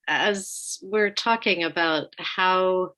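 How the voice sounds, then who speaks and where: Reflective woman with a lowish voice. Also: drawn-out words, sharp tone. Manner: reflective, searching for words. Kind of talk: informal reflective panel discussion.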